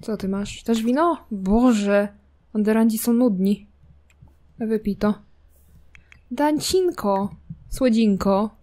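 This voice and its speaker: A woman's voice: mid-range voice, slow pace, warm tone. A woman casually commenting while playing a life simulation game, chatty and teasing, talking to her characters and their cat. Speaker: gameplay streamer.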